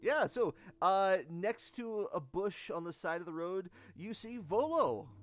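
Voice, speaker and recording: Game master, man, animated and unhurried, a bit high voiced. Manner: animated, laughs often. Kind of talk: narrating a tabletop game.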